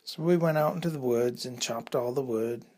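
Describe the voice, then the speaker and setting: A man improvising a bedtime story for children, in an unhurried, halting way with a slightly husky, breathy voice. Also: medium pitch, a little mellow.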